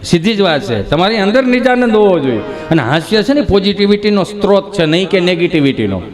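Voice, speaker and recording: A man's voice: high-pitched, sing-song, a little fast, music in the background. A man with a Kathiawadi Gujarati accent telling folksy stories on a live stage, acting out the dialogue himself. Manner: folksy, chatty, acts out dialogue. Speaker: stand-up comedian. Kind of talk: live folk comedy storytelling. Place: live stage show with audience. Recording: stage mic with crowd noise.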